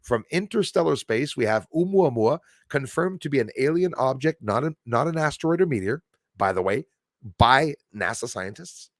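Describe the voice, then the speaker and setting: Animated and speaking at a moderate pace, a medium-pitched man hosts a livestream in a casual, rambling way. He's full of enthusiasm and chummy with viewers, addressing them as pals. There's no room sound.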